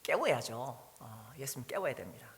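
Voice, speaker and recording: A man's voice: mid-range voice, animated, normal speed, a bit bright. A man preaching a sermon as pastor, musing aloud with frequent "ah" and "uh" fillers. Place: church sanctuary. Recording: long reverb of a hall.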